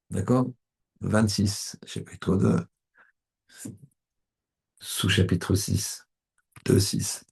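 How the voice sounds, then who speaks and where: A middle-aged man, a rabbi, giving an animated sermon and acting out little scenes in other voices. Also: fairly low pitch, vocal fry, husky.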